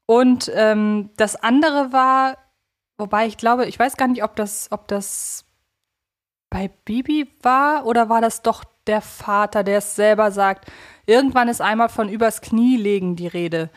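A woman's voice: a little high, measured pace. A woman co-hosting a podcast, talking casually and analytically in an articulate, reflective way, thinking aloud as she goes. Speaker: podcast co-host.

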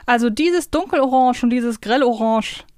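A woman's voice: on the high side, normal speed, a little mellow, slight background noise. A woman hosting a podcast in a casual, conversational chat style. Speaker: podcast host. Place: close, dry podcast recording.

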